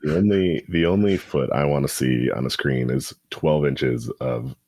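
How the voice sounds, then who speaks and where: A man's voice: rumbling low, normal speed, darkish tone, no echo. A man co-hosting a podcast, riffing wryly in casual chat. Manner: wry, rambling riffs. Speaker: podcast co-host.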